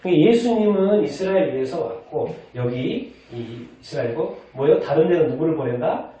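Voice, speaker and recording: Korean pastor preaching in an echoey hall. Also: male voice, fairly high pitch, animated, fairly quick, warm tone. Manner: asks the congregation questions and answers them himself. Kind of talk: sermon. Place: church sanctuary. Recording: distant, echoey, dull church recording.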